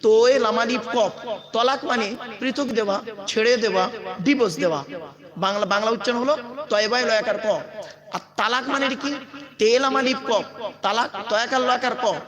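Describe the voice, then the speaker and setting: A man's voice: extremely high pitch, moderate pace. A man preaching at a religious gathering, emphatic, quizzing the crowd and calling out to his listeners. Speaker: Islamic preacher and school teacher. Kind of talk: Bengali waz sermon to a crowd. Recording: crowd noise behind.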